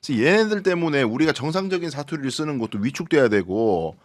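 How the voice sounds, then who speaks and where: A man from Daegu with a Gyeongsang accent, talking as a political panelist on a studio talk show, animated and given to acting out quoted speech. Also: quick pace. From Daegu, South Korea. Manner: animated, mimics quoted speech with big pitch jumps.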